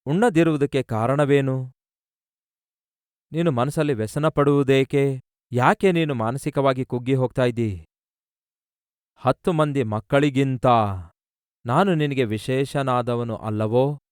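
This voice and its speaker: A male preacher plays a tender biblical husband, consoling and patient, gently asking questions as he comforts his wife. His voice is smooth and resonant. The sound is close and dry, with no room behind it. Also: medium pitch, a little slow, long pauses, no room sound, natural voice. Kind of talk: sermon storytelling.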